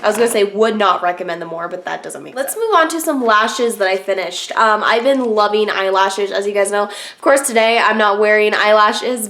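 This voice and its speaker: A woman's voice: medium pitch, fairly bright tone. Congested young woman chatting casually. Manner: chatty, filler-heavy, frank opinions. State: congested from a cold. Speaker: beauty vlogger. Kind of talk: casual product review chat.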